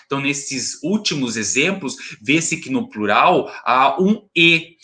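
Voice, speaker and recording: A Brazilian man teaches a recorded grammar lesson. His voice is bright and clear, at an ordinary pitch for a man. He asks questions and answers them himself, and he lingers on single words and repeats them. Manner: pauses on and repeats single words and word parts.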